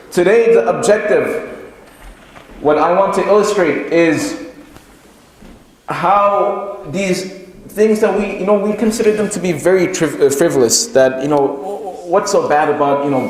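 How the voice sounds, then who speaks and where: A man preaches to a Muslim congregation in a slightly high voice, heard through heavy echo and long reverb. He teaches step by step, repeating key phrases and posing rhetorical questions. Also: moderate pace. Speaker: Muslim preacher giving a community lesson. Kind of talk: sermon, lecture to a congregation. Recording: very echoey hall with long reverb.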